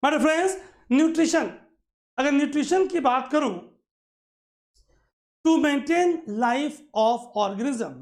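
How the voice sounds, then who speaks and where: A male teacher giving an exam-prep lecture, mixing English terms into his explanations, checking often whether it is clear and calling his viewers friends. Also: very high-pitched, extremely slow, long pauses. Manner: addresses viewers fondly as friends.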